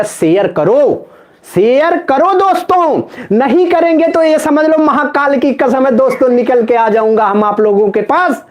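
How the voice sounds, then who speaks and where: A man's voice: extremely high pitch, darkish tone. A man teaching Sanskrit in a live online exam-prep class, chanting word forms in a sing-song rhythm and joking with viewers in the chat. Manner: playful, banters with viewers in chat.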